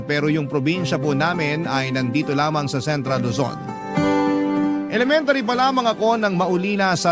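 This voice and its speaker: A man's voice: fairly high pitch, lightly acted. A man playing a candid thirty-nine-year-old gay man narrating his life for radio drama, sentimental and respectful, with a Filipino accent. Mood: confiding, wistful. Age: 30s. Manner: confiding, sentimental, respectful storytelling. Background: prominent music under the narration.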